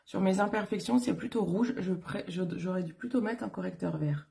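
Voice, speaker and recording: A woman's voice: medium pitch, a little fast, vocal fry, dark tone. A woman chatting casually on a live stream while doing her makeup, rambling with many fillers and self-corrections. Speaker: beauty vlogger on a live stream.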